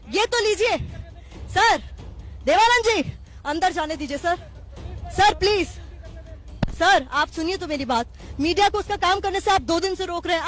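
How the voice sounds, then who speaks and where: A woman's voice: extremely high pitch, a bit bright. A woman field reporter reporting on the spot, pleading and insistently repeating her demands, with a dry throat.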